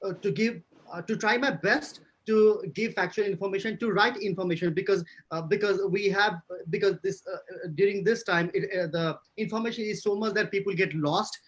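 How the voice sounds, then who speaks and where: A man from Nepal whose first language is not English, a journalist answering questions on a virtual conference panel, halting, with many fillers and restarts. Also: high-pitched, slightly rough. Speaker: journalist and podcast host. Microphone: video call. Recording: dull lo-fi video call audio.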